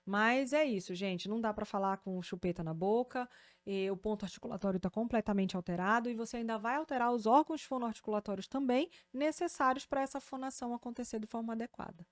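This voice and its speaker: A woman with a Brazilian Portuguese accent, a speech therapist hosting a podcast, explaining in a didactic, animated way and often checking in with her listener. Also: on the high side, quick pace, dry recording.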